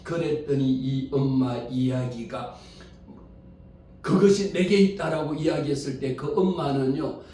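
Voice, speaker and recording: A male pastor preaching a Sunday sermon with animated storytelling and frequent rhetorical questions, in a church sanctuary. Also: medium pitch, measured pace. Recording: far mic in very echoey hall.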